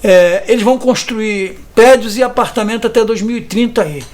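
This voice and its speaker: Interviewed about evictions in his community, a Brazilian man in his fifties testifies indignantly in a high-sitting voice with a darkish tone, at normal speed. He frequently tags his sentences with a question and starts over hesitantly.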